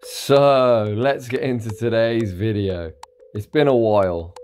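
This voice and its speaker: A man giving gameplay commentary for his video channel, tired and a little croaky, explaining each move in a steady play-by-play. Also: on the low side, slow, slight background noise. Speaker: YouTube creator.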